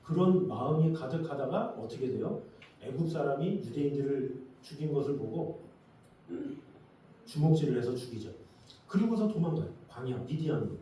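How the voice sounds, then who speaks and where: A man's voice: medium pitch, animated, normal speed, warm tone, slight background noise. A male pastor preaching a Sunday sermon, asking the congregation questions and acting out quoted voices. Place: church sanctuary. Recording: echoey church hall, distant mic.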